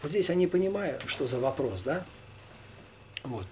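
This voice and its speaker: A man, a Tatar native speaker, answering religious questions one by one in a halting, informal way. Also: a little high, very animated, darkish tone, slight background noise. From Tatarstan, Russia. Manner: halting, with many fillers and restarts.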